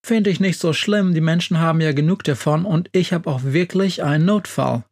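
A man voicing a big, hairy, soft-hearted male monster who loves fancy shoes, in a children's audio story. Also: fairly high pitch, normal speed, voice pushed up. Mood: confiding. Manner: bashful, excitable, tearful.

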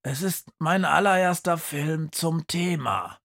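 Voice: medium pitch, slow, vocal fry, a bit bright, pitched above the performer's own voice. A narrator voicing an invisible, headless professor creature in a trench coat, lecturing a class a bit hesitantly in an audiobook. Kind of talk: audiobook character voice.

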